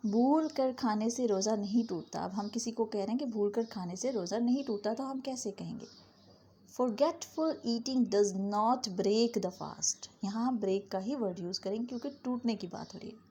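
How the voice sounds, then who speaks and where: A woman teaching English vocabulary, saying each word pair twice and the English words slowly. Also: a little high, dark tone, slightly rough. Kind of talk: vocabulary lesson.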